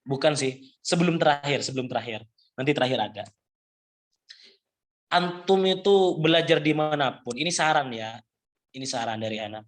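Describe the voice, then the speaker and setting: A man teaches Arabic over a video call, talking to his students in a loose, casual way. He repeats phrases often and sits at an ordinary middle pitch. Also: expressive, normal speed, long pauses. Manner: casual, repetitive, addresses students as antum. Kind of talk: online class talk.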